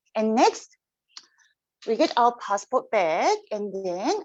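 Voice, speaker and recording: A woman speaks in a Korean accent with very wide pitch swings. The background is quiet. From South Korea. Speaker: test centre staff member. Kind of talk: guided tour demonstration. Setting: test centre. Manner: casual, hesitant with fillers.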